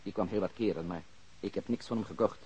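An actor playing a guarded but cooperative Swiss-German immigrant car mechanic in a radio crime drama, speaking in short, simple sentences. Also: male voice, lowish voice, quick pace, warm tone, husky.

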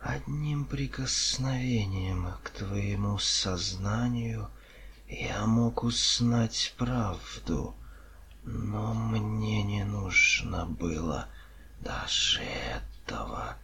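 A man voicing a mocking, arrogant serpent-man leader in an audiobook, in a soft, hissing whisper with a haughty, drawn-out delivery. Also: lowish voice, pitched above the performer's own voice, exaggerated voice. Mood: contemptuous. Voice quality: breathy whispering hiss, soft. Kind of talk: audiobook character voice.

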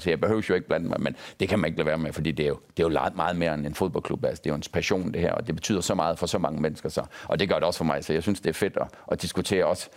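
A man with a fairly low voice chatting on a talk show as a football club director. He talks in an animated, storytelling way and often repeats small words like "so, so". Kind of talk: casual talk show chat.

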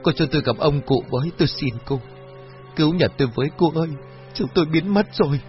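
A man voicing a frantic, tearful middle-aged village woman who begs for help in a high, rising voice. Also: expressive, normal speed, dull audio, soft background music, lightly acted. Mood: pleading, tearful.

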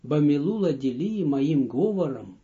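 Slow, deliberate man teaching, lo-fi audio. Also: a little high, animated, mellow. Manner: slow, deliberate, dictating with pauses; reads phrases aloud, then translates and repeats them. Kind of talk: line-by-line text lesson. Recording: dull lo-fi audio recording.

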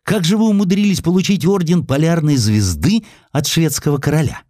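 Man playing an incredulous, high-lilting questioner. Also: animated, fairly quick, a little mellow, dry recording, studio quality, close to an everyday voice. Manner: questioning, surprised, raised inflection. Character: curious, incredulous questioner needling a famous man.

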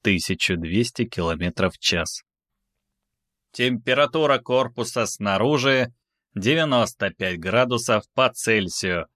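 A calm spaceship voice, performed by a male narrator in a science fiction audiobook. It is low and formal, announcing data item by item in measured phrases, in a very dry sound. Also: no echo. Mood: measured, impassive.

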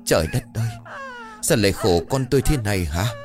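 A man's voice: fairly low pitch, animated, a little fast, music in the background, lightly acted. A man voicing a grieving older village mother who sobs and pleads in a raised voice. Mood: sobbing. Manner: sobbing, pleading.

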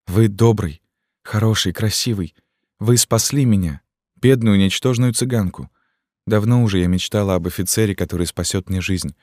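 A man voicing a naive young gypsy girl, speaking in a soft, pleading lilt in a storybook reading. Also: fairly low pitch, moderate pace, dry recording, clean studio sound, voice pushed up, close to an everyday voice. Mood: adoring.

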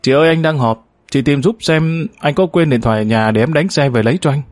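A man reading a calm, clever driver. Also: fairly high pitch, brisk, dry recording, clean studio sound, lightly acted. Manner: calm, level-headed. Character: calm, clever male driver, young adult.

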